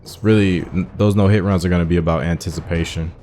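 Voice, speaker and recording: A man hosts a video game playthrough with casual, unscripted commentary. His voice is quite low, and soft game music plays faintly behind him. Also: steady tone, fast talker. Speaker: gaming channel host.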